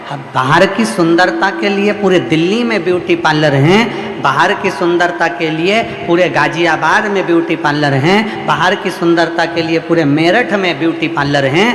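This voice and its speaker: A man's voice: a little high, fairly bright tone, slight background noise. A man giving a devotional sermon at a large gathering, preaching in repetitive, rhythmic phrases that build in emphasis. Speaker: religious storyteller. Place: large hall at a religious gathering. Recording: echoey hall with music behind.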